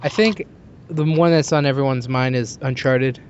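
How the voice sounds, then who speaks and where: A man's voice: medium pitch, fairly even intonation, normal speed. A man hosting a podcast in a casual, chatty style. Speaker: podcast host. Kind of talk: casual chat. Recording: dull lo-fi voice chat, noisy.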